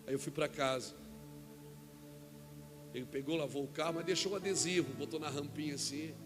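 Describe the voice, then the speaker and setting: Brazilian pastor preaching over music. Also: male voice, on the high side, a little fast. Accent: Brazilian Portuguese. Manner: storytelling with quoted dialogue, shouting at peaks. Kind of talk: sermon. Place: church event hall.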